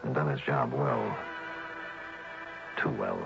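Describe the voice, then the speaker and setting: A man's voice: extremely low pitch, takes it slowly, gravelly, over music, full character voice. An actor playing a wry, hard-boiled male investigator who narrates the story in an old radio drama. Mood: hard-boiled narration. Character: tough wisecracking male insurance investigator, middle-aged. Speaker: narrator and lead. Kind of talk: 1950s-60s radio drama acting. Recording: dull old radio broadcast.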